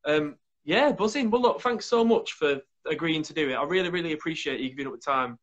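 A man in his thirties hosts a relaxed video call chat, talking quickly and eagerly. His voice sits a little high for a man, and he piles on praise in a friendly rush. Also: muffled recording. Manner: quick, enthusiastic and chatty. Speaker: host. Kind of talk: casual chat.

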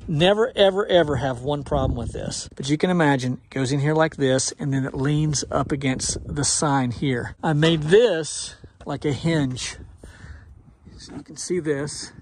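A man's voice: fairly high pitch, slight background noise. A middle-aged man, a pressure washing business owner, giving a casual, folksy walkthrough of his work trailer outdoors in a driveway, recorded on a body-worn camera. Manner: folksy, explanatory, with fillers. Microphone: action camera worn on the body.

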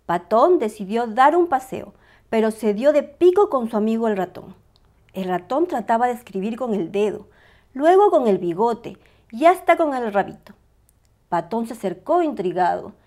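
High, lively woman telling a children's story. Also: normal speed. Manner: animated, clearly dramatized reading for small children. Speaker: storyteller reading a picture book aloud. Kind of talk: expressive scripted children's story narration.

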